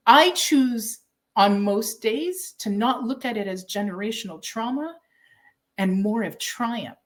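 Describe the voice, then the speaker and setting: A woman from Canada, a guest on an interview, answering in an earnest, proud, measured way with pauses. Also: fairly high pitch, lively intonation.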